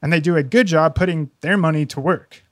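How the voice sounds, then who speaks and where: A man narrating a news feature as a reporter, steady and measured. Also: fairly high pitch, no room sound, clean studio sound.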